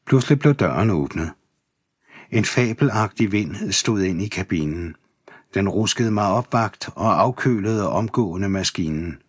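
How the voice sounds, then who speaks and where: A man reading a first-person memoir aloud as an audiobook narrator, in a measured, steady voice. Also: on the low side, husky, no echo, studio quality. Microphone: close studio mic.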